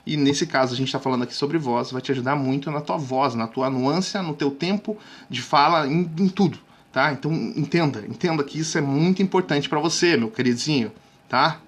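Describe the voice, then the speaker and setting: A man with a fairly high voice coaches his viewers on speaking, casual and direct. He checks in with them often and sometimes sinks to a hush to make a point. His delivery is lively and conversational. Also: brisk. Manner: lively, drops suddenly to near-whispers to show technique; chatty, addresses viewers directly with frequent "tá?". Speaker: communication coach. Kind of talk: casual video lesson.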